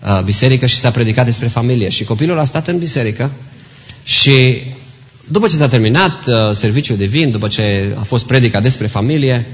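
A man's voice: mid-range voice, slightly rough. A man preaching an earnest sermon to a congregation in a church, exhorting and telling stories. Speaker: pastor. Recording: long reverb in church hall.

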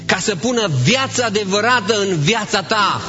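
A man preaching a sermon in a church, impassioned, swinging between hushed and loud emphatic lines and repeating phrases for emphasis. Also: sits high, expressive, dull audio, over music. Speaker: pastor.

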